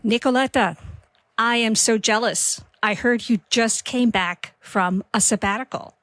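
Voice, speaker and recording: A woman's voice: on the high side, measured pace, fairly bright tone, soft background music. Chatty, enthusiastic woman hosting a podcast. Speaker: podcast host. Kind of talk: podcast interview.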